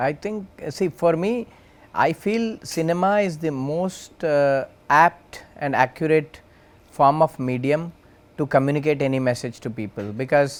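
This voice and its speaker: Speaking with a Telugu accent, a man with a fairly high voice talks at a fairly slow pace with lively intonation. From India, Telugu-speaking region. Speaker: entrepreneur, subject of biopic. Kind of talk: interview.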